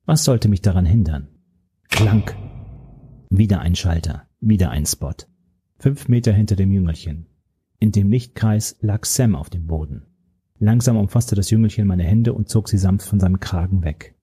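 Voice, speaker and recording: A man reading a first-person audiobook in a steady, grave manner. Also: sits low, moderate pace, husky. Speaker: narrator.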